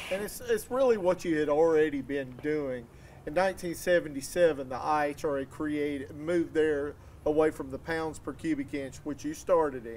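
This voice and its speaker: A man's plain, everyday voice, fairly high in pitch, at a fairly slow pace with ordinary pitch variation. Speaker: interviewer. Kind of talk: interview.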